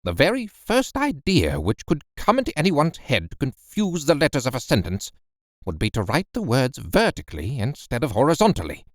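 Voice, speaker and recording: Male narrator as a commanding elderly professor, impatient, lively pitch, storybook reading. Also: normal speed, no echo, studio quality. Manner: brusque, commanding. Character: stern, excitable old male professor.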